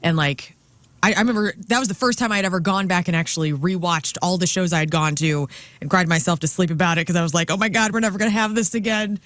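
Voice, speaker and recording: An earnest man co-hosts a radio chat, speaking with quick enthusiasm in a fairly high voice. The studio sound is dry and close. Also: a bit bright, no room sound. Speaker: radio show co-host.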